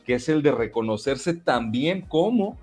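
A man from Mexico whose first language is Mexican Sign Language, giving earnest, measured interview answers with frequent hesitations. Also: medium pitch, expressive, a little mellow. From Jalisco, Mexico.

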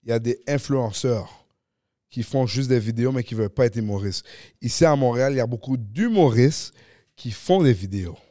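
A man's voice: mid-range voice, expressive, brisk, dark tone, no echo, studio quality. A man with a Québécois French accent, a guest comedian, chatting casually in slangy French mixed with English, laughing often. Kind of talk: casual podcast chat.

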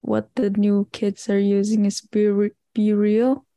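A woman's voice: medium pitch, completely flat delivery, unhurried, mellow, no room sound. A young woman with an Indonesian accent, explaining eagerly in casual chat with friends, breaking into laughs.

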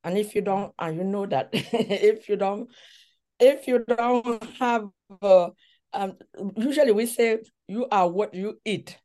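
A middle-aged woman from Cameroon, a relationship coach, telling her story as an interview guest in a thoughtful way with many pauses. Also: mid-range voice, warm tone. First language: a language of Cameroon. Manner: slow, thoughtful storytelling with frequent pauses and fillers.

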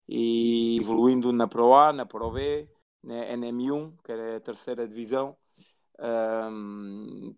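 A man in his forties, a basketball coach born in Portugal and raised in France, answering interview questions haltingly with many fillers. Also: medium pitch, clear, resonant tone. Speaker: basketball assistant coach, guest.

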